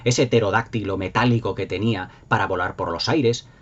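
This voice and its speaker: A middle-aged video host from Spain, speaking with a Spanish accent, rambles enthusiastically and effusively in a casual, nostalgic way. His voice is on the low side and a little fast, with the highs cut off.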